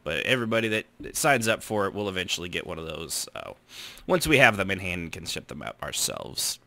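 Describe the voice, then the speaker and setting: A man's voice: low voice, sing-song, fairly quick, gravelly, bright, forceful tone, dry recording. An American man hosting a casual podcast, bantering with joking mock insults. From United States. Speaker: podcast host. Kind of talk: casual chat show banter.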